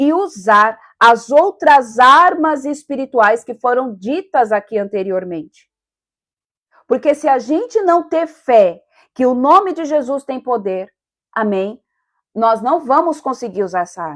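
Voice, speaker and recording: A woman speaks at a high pitch and a very slow pace. Her pitch swings very widely. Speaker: preacher. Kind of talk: live-streamed sermon. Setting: live stream.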